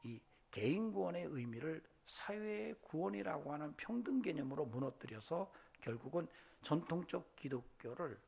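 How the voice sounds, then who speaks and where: Male pastor, husky gravelly voice, preaching from hushed lows up to loud impassioned peaks. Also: big pitch swings, moderate pace, few pauses. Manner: builds from hushed, low asides to loud, high-pitched exhortation. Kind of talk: Sunday sermon. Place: church sanctuary.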